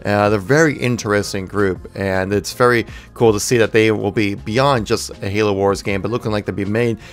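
A man's voice: fairly low pitch, fairly even intonation, a little fast, soft background music. A man hosting a gaming channel, giving news commentary in an enthusiastic, informal way.

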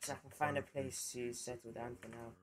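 A man streaming a game, speaking through a voice changer in a quiet, offhand, casual way while chatting. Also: medium pitch, steady tone, brisk, noisy background. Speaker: gaming streamer. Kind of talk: casual gameplay chat.

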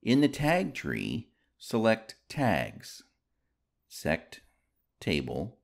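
Low-pitched man narrating a tutorial. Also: wildly swooping pitch, very slow, vocal fry. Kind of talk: scripted instructional narration.

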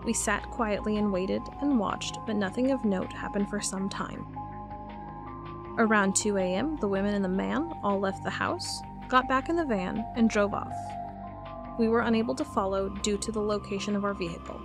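A woman's voice: medium pitch, normal speed, music in the background, lightly acted. A woman playing an inquisitive FBI cold case agent in an audio drama. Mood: matter-of-fact. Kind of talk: audio drama acting, reading case files aloud.

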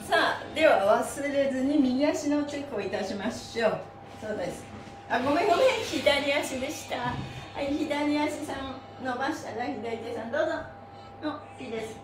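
A middle-aged woman hosting a live stretch class, chatting and instructing in a cheerful, playful, exclamatory way. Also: high voice. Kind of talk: live-streamed exercise class and chatty announcements. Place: small bare indoor room with wooden floor. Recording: echoey room with music behind.

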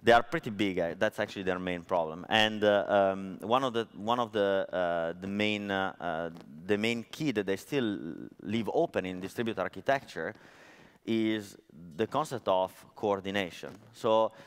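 Brief: man, 30s, Italian accent, lowish smooth voice, chatty tech speaker with fillers, headset mic on a hall stage. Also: normal speed. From Italy. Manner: chatty, storytelling, frequent fillers. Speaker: conference speaker. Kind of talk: technical conference talk. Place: large conference hall stage.

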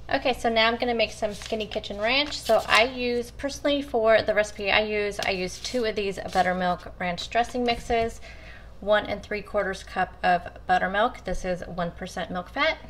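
Working at her home kitchen counter, a woman gives a chatty, casual walkthrough of her weekly meal prep and addresses viewers as "you guys." Her mid-range voice holds a steady tone at a moderate pace, fairly bright, with a little hiss or hum.

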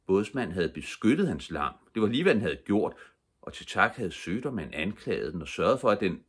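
An older man with a deep, low voice reads a children's book aloud at bedtime. His narration is calm and measured, an unhurried read-aloud. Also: slightly rough. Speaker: audiobook reader.

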